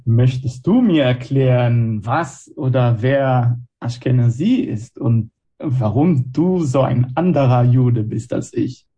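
A man in his late twenties from Israel, hosting a radio program with measured, rhetorical narration and interview questions. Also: mid-range voice, dark tone, slightly rough, lo-fi sound. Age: 20s. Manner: measured, rhetorical, list-like delivery. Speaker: radio host.

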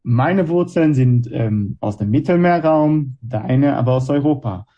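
A man's voice: medium pitch, measured pace, warm tone, highs cut off. A man in his twenties, born and raised in Israel with Hebrew as his first language, hosting a radio show with scripted narration and reflective interview questions. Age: 20s.

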